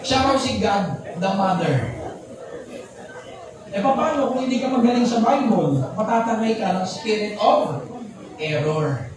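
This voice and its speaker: A man's voice: high-pitched, expressive, measured pace, long pauses, crowd noise. A man preaching a sermon, joking and quizzing his congregation with questions. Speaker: pastor. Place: church hall with congregation. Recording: echoey hall from far off with background noise.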